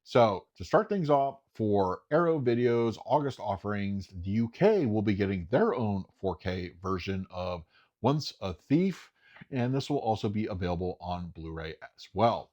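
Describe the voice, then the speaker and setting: Man, lowish voice, casual solo commentator, enthusiastic, chatty with fillers. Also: very animated, a little slow, a little mellow, highs cut off. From United States. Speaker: home video reviewer.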